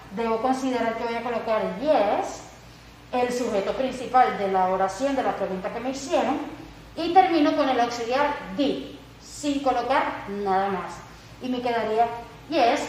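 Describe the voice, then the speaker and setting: A woman teaching English grammar, speaking slowly and carefully whenever she models an example sentence. Her voice sits a little high and comes from somewhat off the mic, in a very echoey room. Faint background noise runs underneath. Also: a little mellow, recorded from a distance. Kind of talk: explaining grammar to a class.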